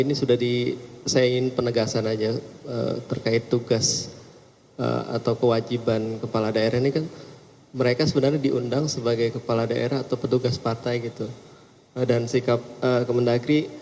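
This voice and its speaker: Gravelly, flat-voiced man reporter. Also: mid-range voice, normal speed, a little hiss or hum. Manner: hesitant, many fillers. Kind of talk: press question. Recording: echoey hall, faint ambience.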